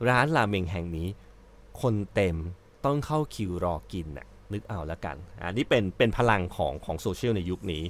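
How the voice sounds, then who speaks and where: A man's voice: low voice, expressive, fairly quick, slight background noise. A male host giving casual commentary on an article he reads out, chatty, with frequent fillers and self-corrections.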